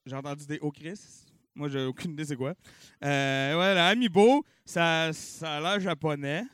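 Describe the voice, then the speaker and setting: A man's voice: a little high, moderate pace, clear, resonant tone, dry recording, studio quality. A young Québécois man hosting a comedy-night auction, bellowing bids and cracking jokes between them. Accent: Québécois French. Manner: bouncy and animated, bellowing bids, jokey asides. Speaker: auctioneer and comedy show host.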